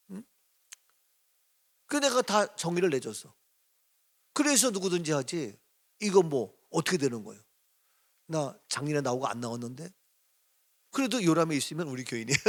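A middle-aged male pastor giving a casual early-morning sermon, chatty and teasing, sometimes rising to emphatic exclamations. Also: on the high side. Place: church sanctuary.

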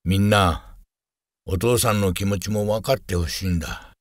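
Guy playing earnest dad in a family drama, lowish voice, sincere. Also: moderate pace, dry recording, clean studio sound, lightly acted. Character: earnest, gentle family father.

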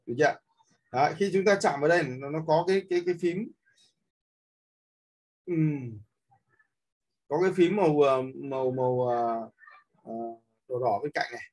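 A man whose voice sits on the high side, a little mellow and husky, instructs viewers in a screen-recorded app tutorial. He goes step by step, using lots of fillers and often confirming that his listeners are following.

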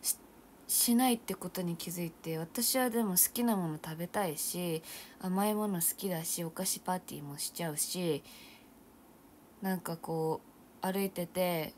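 A young woman idol chatting casually on a livestream, answering viewer comments in a soft, often half-whispered, self-mocking way. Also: lowish voice, moderate pace, slight background noise. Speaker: idol streamer.

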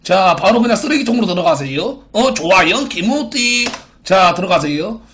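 A man's voice: sits high, lively intonation, moderate pace, a bit bright, a little hiss or hum. A man in his twenties hosting a live stream, reading out viewer posts and giving theatrical announcer-like verdicts in a brash, crude, mocking way. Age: 20s. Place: small indoor room at a computer.

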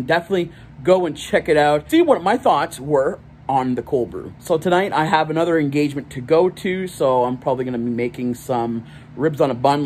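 A man's voice: fairly high pitch, darkish tone, slight background noise. A man in his thirties chatting casually to his phone camera at arm's length, rambling and correcting himself with small laughs. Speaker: vlogger. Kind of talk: casual daily vlog to camera. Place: outdoors by a parking lot and indoors on an armchair. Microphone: phone held at arm's length.

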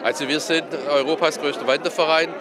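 A man's voice: on the high side, fairly even intonation, fairly quick. A man, answering interview questions formally as a club president. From Stuttgart, Germany. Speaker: association president. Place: crowded hall indoors. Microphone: handheld interview mic. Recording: busy hall crowd behind.

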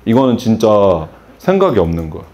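A man's voice: fairly low pitch, very animated, normal speed, a little mellow. A middle-aged man giving a salon business workshop, asking the audience questions and acting out exchanges with customers. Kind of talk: workshop lecture.

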